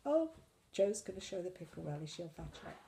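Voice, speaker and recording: A woman's voice: fairly low pitch, big pitch swings, brisk, gravelly, a crowd in the background. A woman with a cold chatting in a casual weekly diet vlog, rambling and self-deprecating. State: full of cold. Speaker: slimming vlogger.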